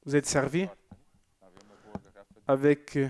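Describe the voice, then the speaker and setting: Man host, church TV, slightly high voice, casual and joking, reads out viewers' messages. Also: steady tone, slow pace, a little mellow. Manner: chatty and joking, with loose asides. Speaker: church TV presenter. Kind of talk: casual broadcast chat reading viewer messages.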